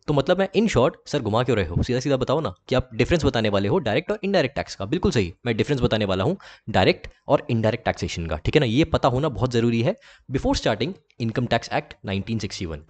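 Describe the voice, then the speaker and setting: A young man giving a lecture, chatty and playful, addressing his students and acting out both sides of his examples. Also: mid-range voice. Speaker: teacher.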